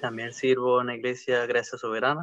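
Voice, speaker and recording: A man at a fairly slow pace with a medium pitch. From Venezuela. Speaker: student. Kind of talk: class self-introduction.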